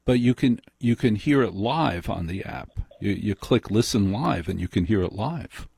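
A man's voice: on the low side, lively intonation, normal speed, gravelly, darkish tone, husky, no echo, clean studio sound. An American man hosting a live call-in radio show, chatting casually and explaining things courteously. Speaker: radio talk show host. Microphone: close studio broadcast mic.

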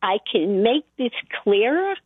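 A woman's voice: fairly high pitch, big pitch swings, unhurried, husky, no room sound. A very old woman caller chatting politely on a radio phone-in, asking simple questions. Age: elderly, very old. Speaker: call-in listener. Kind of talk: casual radio phone-in chat. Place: phone call to radio show. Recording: tinny radio phone-line call.

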